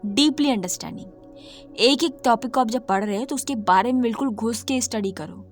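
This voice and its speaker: Woman, slightly hoarse, emphatic tutor, casual lesson, faint music behind. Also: fairly high pitch, moderate pace. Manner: emphatic, repeats points, mixes English terms into speech. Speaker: coding tutor. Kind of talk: casual talk-to-camera lesson.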